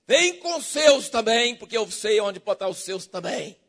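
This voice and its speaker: A man preaching a sermon with a Brazilian Portuguese accent. He is fervent and jokey, questions his congregation, and swings from loud shouts to soft low lines. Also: big pitch swings, unhurried.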